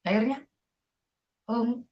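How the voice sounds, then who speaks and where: A woman giving a personal testimony as a guest, telling her story in an earnest, halting way with frequent fillers. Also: a little high, dull audio.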